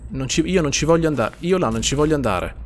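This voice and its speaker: A man's voice: fairly high pitch, animated, fast, a little hiss or hum. A man streaming a horror game, nervously muttering, repeating himself and swearing as he plays. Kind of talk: live gameplay commentary.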